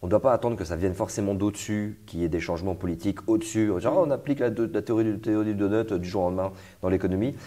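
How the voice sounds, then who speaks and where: A man's voice: on the low side, racing, few pauses, dark tone. A young man hosting an interview, talking casually with fillers and restarts. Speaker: host.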